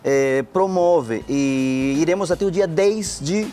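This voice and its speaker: A man's voice: fairly high pitch, takes it slowly, a crowd in the background. A middle-aged man from Peru who speaks Spanish natively, talking with a Peruvian Spanish accent as a restaurant guest in a TV studio, polite and hesitant with many fillers. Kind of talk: studio interview. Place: bright TV studio. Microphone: handheld microphone.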